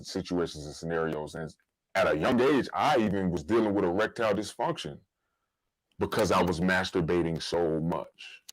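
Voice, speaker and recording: A man's voice: low voice, dry recording, rough recording. An American man hosting a podcast, talking casually in informal slang as he shares personal stories and advice. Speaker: podcast host.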